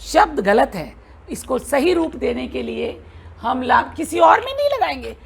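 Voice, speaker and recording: A woman's voice: high-pitched, sing-song, unhurried, creaky, husky. A woman teaching a Hindi lesson to children, patiently drawing out and repeating each sound as she demonstrates.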